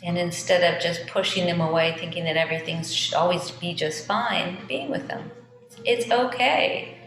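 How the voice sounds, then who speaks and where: A woman teaching yoga, leading a guided meditation in a gentle, unhurried, soothing manner. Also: fairly low pitch. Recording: echoey reverberant room with music behind.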